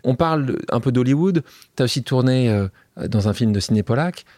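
A man's voice: medium pitch, animated, fairly quick, darkish tone, dry recording, studio quality. A man hosting a casual interview, asking questions and summing up the guest's points. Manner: conversational, prompts and sums up the guest's points. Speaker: podcast host.

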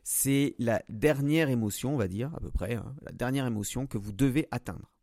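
A man's voice: mid-range voice, normal speed, gravelly, a little mellow, dry recording, studio quality. A man hosting a solo podcast, talking straight to the listener with many hesitations and restarts. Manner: addresses listener directly. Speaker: podcast host. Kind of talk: solo podcast monologue on emotions.

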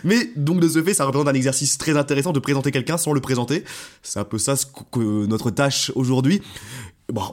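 A man's voice: mid-range voice, brisk. Playful young man co-hosting a podcast. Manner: playful, stumbles over names. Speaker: podcast co-host. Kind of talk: casual chat.

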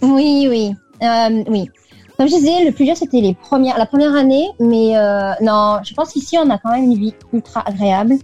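Chatty French woman, mellow voice. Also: a little high, moderate pace, dull audio, soft background music. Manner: chatty, many fillers and restarts. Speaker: interview guest. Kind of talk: casual radio interview over a call.

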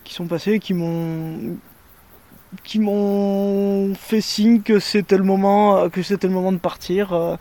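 A woman's voice: mid-range voice, fairly even intonation, a little slow, mellow. A woman in her thirties with a Parisian accent, chatting as a guest in a casual interview, hesitant and full of fillers and restarts, recorded outdoors in a garden. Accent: Parisian French. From France. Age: 30s. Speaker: guest, musher. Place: sunny garden in the mountains, outdoors.

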